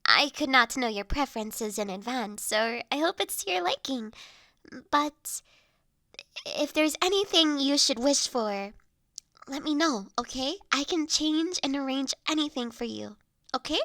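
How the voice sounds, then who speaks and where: A high, bright voice, recorded close and dry, for a gentle young noblewoman, acted by a woman in an intimate roleplay audio drama. She is courteous and doting, choosing formal, slightly old-fashioned words and taking her time as she looks after the listener. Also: expressive, a little slow, dry recording, full character voice. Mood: caring, attentive. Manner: soft-spoken, formal old-fashioned phrasing, solicitous.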